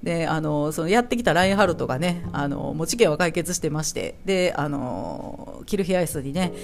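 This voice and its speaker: A woman's voice: low-pitched, lively intonation, normal speed, gravelly, soft background music. A woman with a Kansai accent hosting a solo chat podcast about anime, chatty and laughing often as she acts out the characters' lines. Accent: Kansai Japanese. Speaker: podcast host.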